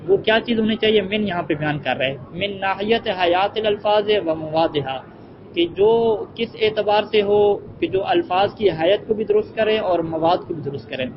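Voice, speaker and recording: A man teaching a class in a high voice, posing questions and answering them himself as he goes through an Arabic text. The recording is dull and muffled, with steady noise behind him. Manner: asks rhetorical questions and answers them, reads Arabic phrases slowly. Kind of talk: classroom lecture explaining an Arabic logic text. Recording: muffled with heavy background noise.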